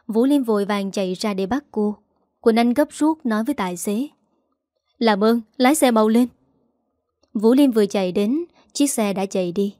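A woman's voice: medium pitch, warm tone, no room sound, clean studio sound. A woman reading a dramatic family story aloud, voicing every character herself. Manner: emotional melodrama reading, voicing all characters. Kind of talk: storytelling narration.

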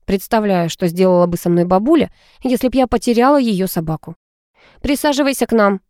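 A woman narrating a first-person story aloud, lively and expressive with ironic asides. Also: medium pitch, a little fast, dry recording, clean studio sound. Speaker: audiobook narrator.

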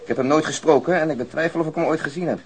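An actor playing a pensive police detective in a radio drama, thoughtful and halting, mumbling as he searches his memory. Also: fairly high pitch, a little mellow, close to an everyday voice. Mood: pondering.

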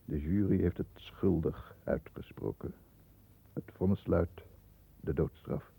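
A man acting a stern, proud middle-aged lawyer in a 1960s radio play, speaking with formal, measured diction. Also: deep voice, gravelly, dark tone, husky, heavily acted. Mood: grim, agitated. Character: stern, proud male lawyer protecting the family name. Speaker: actor in a radio drama. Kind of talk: 1960s Dutch radio play acting, first-person narration and dialogue. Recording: muffled, thin 1960s radio recording.

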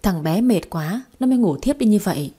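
A woman voicing a female hospital nurse who talks in a brisk, scolding way. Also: mid-range voice, lively intonation, mellow, breathy edge.

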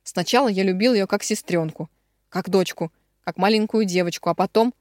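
A woman's voice: medium pitch, brisk, darkish tone, no room sound, studio quality, close to an everyday voice. A woman reading an audiobook, voicing a weary man who confesses in a heavy, subdued way. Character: man in his thirties, weary, confessing, resolute.

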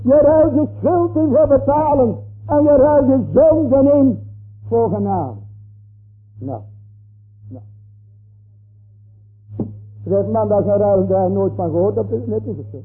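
A man preaching a slow, emphatic sermon, repeating his phrases for weight. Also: very high voice, animated, slightly rough. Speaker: pastor. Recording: tinny lo-fi old sermon tape.

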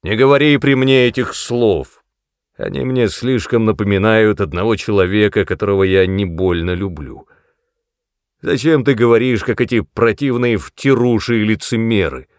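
A man voicing a crude, bullying middle-aged man who talks loudly and mockingly, with a creaky voice. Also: on the low side, very animated, a little slow, no room sound, clean studio sound, full character voice. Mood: gruff, mocking. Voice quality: loud, gruff, mocking.

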